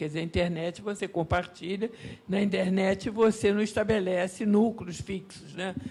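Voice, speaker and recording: A woman speaks at medium pitch with a dark, mellow tone. Her intonation is fairly even and her voice somewhat breathy. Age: 70s. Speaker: author and feminist scholar. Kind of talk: panel talk at book launch. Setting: book launch event with audience. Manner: halting, many false starts.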